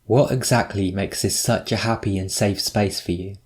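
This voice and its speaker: A man narrates a scripted guided meditation in a fairly low voice with fairly even intonation. His prompts are measured and instructive, separated by pauses.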